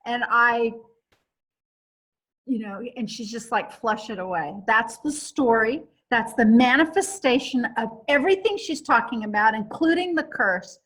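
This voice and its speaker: High-voiced animated woman telling a story. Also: measured pace. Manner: animated, rambling storyteller with many restarts. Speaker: host. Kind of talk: casual storytelling chat.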